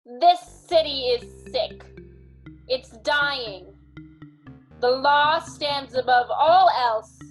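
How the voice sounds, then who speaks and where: A woman plays a fanatical vigilante judge in a radio drama, pitched high and set over music. The delivery is grandiose and deliberate, preaching with cold, murderous righteousness. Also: poor audio. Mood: fervent.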